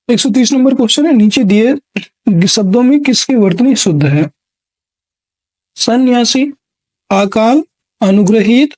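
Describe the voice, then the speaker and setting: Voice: medium pitch, a little mellow, dry recording. A Hindi exam-prep teacher working through multiple-choice spelling questions, reading each option aloud, repeating words and naming the right answer. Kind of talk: classroom lesson on spelling questions.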